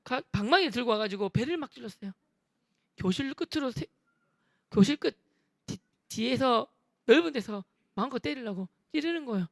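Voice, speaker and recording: A man with a Busan accent gives a church testimony as a lively, humorous story. His pitch swings widely as he acts out punchy, rough-spoken quotes. The sound is dry and close. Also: moderate pace, no echo. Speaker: church deacon giving testimony. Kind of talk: animated testimony with acted quotes.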